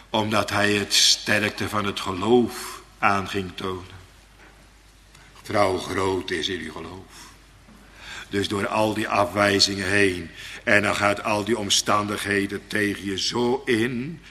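Male preacher, sharp bright voice, moves from hushed to fervent; long hall reverb. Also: takes it slowly, long pauses, breathy edge. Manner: swings between hushed low passages and loud impassioned high pleas. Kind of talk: sermon.

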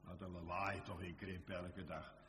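Deep dutch guy preaching, fervent, repeats himself a lot, faint hiss. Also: level tone, a little slow. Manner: fervent, repetitive, dialogue with God. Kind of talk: sermon.

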